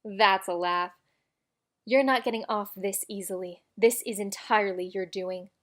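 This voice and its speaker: A woman's voice: mid-range voice, normal speed, lightly acted. A woman playing a haughty, threatening college official in an audio drama, with an imperious, scornful manner.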